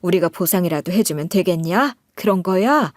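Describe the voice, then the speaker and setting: A woman voicing a sharp-tongued older mother-in-law who talks in a scolding, condescending way. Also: fairly low pitch, animated, normal speed, no echo, studio quality, voice pushed down, close to an everyday voice.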